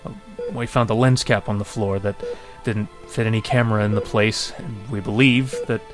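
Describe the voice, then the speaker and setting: An actor in a radio drama playing an awkward, apologetic police detective who reports haltingly and uneasily. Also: male voice, on the low side, fairly even intonation, close to an everyday voice. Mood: awkward, uneasy. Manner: halting, full of uneasy hesitations. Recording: music under the voice.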